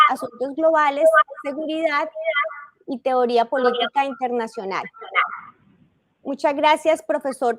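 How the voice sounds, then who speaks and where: High-voiced woman, formal introduction. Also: dry recording, rough recording. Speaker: host introducing the speaker, professor.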